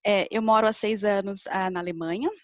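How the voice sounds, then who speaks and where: A woman's voice: medium pitch, steady tone, brisk, no room sound. A Brazilian woman with a Brazilian Portuguese accent, a journalist guest, introducing herself hesitantly. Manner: hesitant, many fillers. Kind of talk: self-introduction on a live talk. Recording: dull dry call audio.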